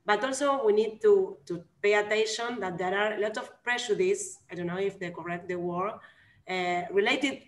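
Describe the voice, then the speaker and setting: A woman's voice: mid-range voice, moderate pace, reverberant. A young woman from Argentina with an Argentine Spanish accent, speaking English earnestly on a video call from home and searching for words. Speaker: conference participant. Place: room at home.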